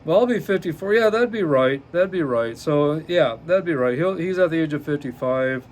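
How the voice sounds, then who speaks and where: A man in his fifties hosting a solo podcast, reading from notes in a halting way with many ums and uhs and frequent self-corrections. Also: on the high side, expressive, slight background noise. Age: 50s. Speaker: podcast host.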